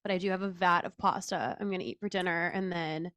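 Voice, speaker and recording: A woman's voice: lowish voice, fairly even intonation, quick pace, a bit bright, dry recording, clean studio sound. A woman co-hosting a casual chat podcast, nasal and stuffed up from a cold, tired and chatty with frequent laughs and fillers. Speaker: podcast co-host.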